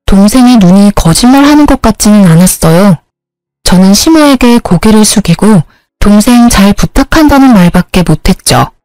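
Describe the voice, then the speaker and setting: A woman tells a family story in a calm, confiding narration with a mid-range voice. The recording is dry and close, with faint background music. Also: medium pitch, no room sound, rough recording.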